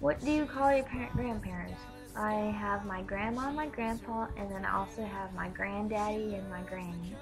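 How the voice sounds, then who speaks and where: Speaking at a moderate pace with a Texan accent, a woman is heard over music in the background. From Texas, USA. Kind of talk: casual talk to camera.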